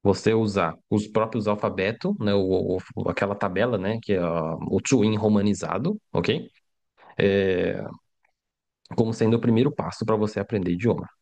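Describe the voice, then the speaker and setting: Teaching a live online Mandarin lesson, this middle-aged man speaks at a moderate pace in a lowish, creaky, darkish voice with fairly even intonation. He's casual and chatty, often checking with students and adding tag questions.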